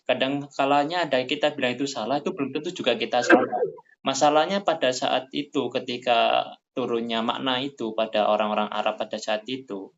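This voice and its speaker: A man hosting a casual religious study talk, animated, his voice climbing high when he quotes people. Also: a little fast, vocal fry. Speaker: study session host. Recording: dull lo-fi sound.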